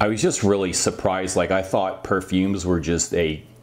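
Very deep, low-pitched male speech, moderately paced and fairly even in intonation. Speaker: perfume reviewer. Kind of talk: casual vlog chat. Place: home room. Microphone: camera far.

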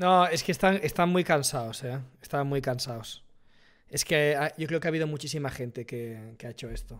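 Against a quiet background, a man talks at a moderate pace and fairly high pitch, with ordinary pitch variation and big swings in loudness. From Spain. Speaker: streamer. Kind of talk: reaction commentary. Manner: animated. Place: home room. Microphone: studio mic.

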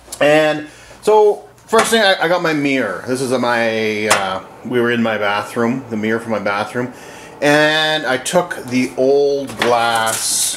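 Noticeable background noise is present. A man talks at a very slow pace. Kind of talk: tutorial. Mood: joking, relaxed. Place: kitchen. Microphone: phone near.

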